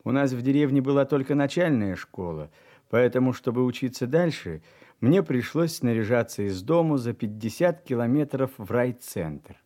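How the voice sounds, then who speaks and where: Male audiobook reader, reflective literary narration, lively pitch. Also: normal speed. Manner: reflective, lively varied intonation, soft drops in volume.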